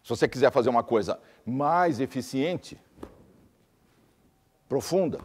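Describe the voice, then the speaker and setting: A man's voice: medium pitch, lively intonation, a little slow, in a large hall. A man giving a teaching lecture, explaining step by step with lists and repeated examples.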